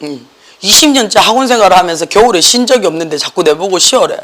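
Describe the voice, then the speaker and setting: A middle-aged academy teacher with a Gyeongsang accent lectures a class in a worn, hoarse voice. The delivery is lively and joking, and English words keep slipping into the Korean. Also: medium pitch, fast.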